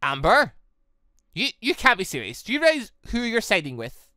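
A man's voice: high-pitched, wildly swooping pitch, moderate pace, sharp tone, no room sound, clean studio sound, pitched above the performer's own voice, exaggerated voice. A man voicing an indignant, righteous young warrior woman, incredulous and accusing. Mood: outraged, accusing.

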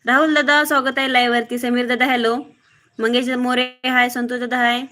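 Blunt woman streamer with a slightly high voice. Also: little pitch movement, pushed and bright. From Maharashtra, near Mohol. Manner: brisk, greets viewers one after another by name; blunt and outspoken. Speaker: livestreamer. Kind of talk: casual live-stream chat, reading viewer comments.

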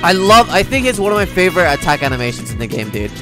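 Animated young man, casual reaction commentary. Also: high voice, fast, over music. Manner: informal, slangy, easily amused. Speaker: gaming reaction video host.

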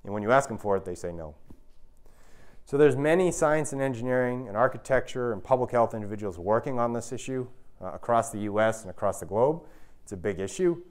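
A man's voice: medium pitch, animated, a little fast. An American man in his thirties lecturing to an audience in an emphatic, explanatory manner, often checking in with the listeners. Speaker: university researcher giving a public talk. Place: indoor lecture room with an audience.

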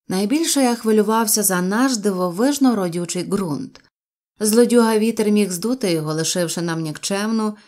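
Woman narrating a kids story, expressive, mid-pitched voice. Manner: lively expressive reading. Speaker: audiobook narrator.

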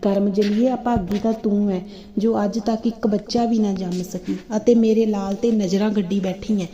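A woman's voice: medium pitch, steady tone, moderate pace, mellow, close to an everyday voice. A woman voicing a jealous, scheming woman who scolds and accuses. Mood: furious. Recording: dull lo-fi recording.

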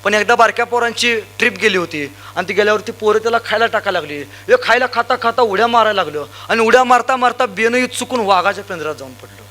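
Young man, motivational speaker, high voice, bright forceful tone, rousing and emphatic. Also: fast talker, few pauses. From Sangli district, Maharashtra. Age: young adult. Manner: loud, emphatic, rousing, addresses crowd directly. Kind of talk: stage motivational speech with anecdotes.

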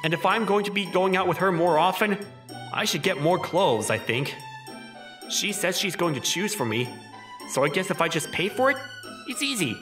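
A man's voice: sits high, expressive, normal speed. A young man playing an awkward, self-doubting single guy in a manga dub, with a wry, self-questioning manner. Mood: resigned, hesitant. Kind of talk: manga dub acting and narration. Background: music.

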